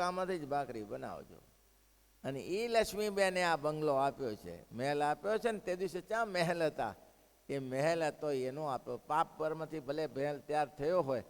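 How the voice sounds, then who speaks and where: A male preacher telling devotional stories in a lively way, rising to loud exclamations and then dropping to hushed asides. His voice sits somewhat high, and a long reverb carries through the large hall. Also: clean tone. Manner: animated, shifting between loud exclamations and hushed quotes. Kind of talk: devotional sermon storytelling.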